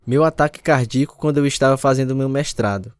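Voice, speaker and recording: A man's voice: medium pitch, quick pace, darkish tone, smooth, no room sound, studio quality, close to an everyday voice. A man with a Brazilian accent playing a devout, grateful retired teacher in a radio drama, speaking earnestly. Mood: calm, devout. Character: devout retired special education teacher, grateful older husband. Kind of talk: radio drama acting with first-person narration.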